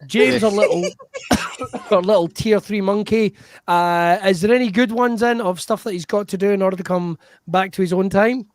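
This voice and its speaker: A man's voice: sits high, normal speed. A male comedian on a video call, bantering and rambling through an improv show with lots of fillers. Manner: rambling, joking, full of fillers.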